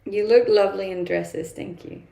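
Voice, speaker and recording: A woman's voice: medium pitch, steady tone, moderate pace, creaky, mellow, reverberant. A young woman from Denmark whose first language is Danish, chatting casually on a live stream and reading out viewer comments, laughing often and using many fillers.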